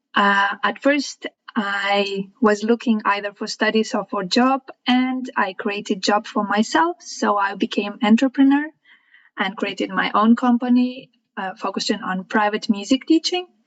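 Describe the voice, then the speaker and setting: With a Lithuanian accent, a woman speaks at a fairly slow pace in a fairly high pitch. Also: ordinary pitch variation. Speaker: student teacher and music teacher. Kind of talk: podcast interview.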